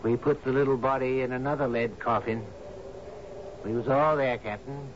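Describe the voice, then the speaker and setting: An actor playing a captain's sober, plain-spoken male servant in a radio drama, measured and deferential. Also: medium pitch, steady tone, close to an everyday voice. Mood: somber. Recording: muffled radio broadcast with faint noise.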